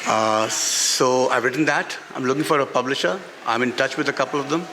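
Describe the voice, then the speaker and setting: A Pakistani-accented man speaking off the cuff as an author at a book talk, halting and repeating phrases for emphasis. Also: medium pitch. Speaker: author and playwright being interviewed. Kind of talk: unscripted talk on stage at a book event. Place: festival stage before an audience. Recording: hall reverb, faint background noise.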